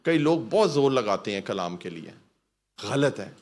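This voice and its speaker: A man's voice: mid-range voice, very animated, darkish tone. A man preaching as a pastor in a fervent sermon, often calling out hallelujah and mixing in English words. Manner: fervent, calls out hallelujah and asks the church to repeat.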